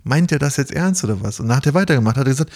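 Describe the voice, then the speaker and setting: A man's voice: mid-range voice, animated, racing, darkish tone. A man casually telling a long anecdote on a podcast, full of fillers, now and then putting on other people's voices. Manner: rambling storyteller, imitates others with raised voice. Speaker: podcast co-host.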